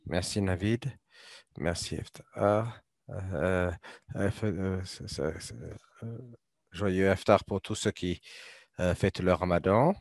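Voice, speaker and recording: A man working as a live interpreter at a panel discussion, speaking in a halting, hesitant way with repeated words. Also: low-pitched, a little mellow, dry recording, studio quality. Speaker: simultaneous interpreter.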